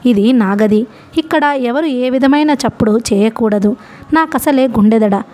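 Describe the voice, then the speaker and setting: A woman's voice: unhurried, warm tone, natural voice. A woman voicing a touchy old spinster, a retired schoolteacher, who scolds fussily. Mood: scolding. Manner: scolding, shrill and fussy.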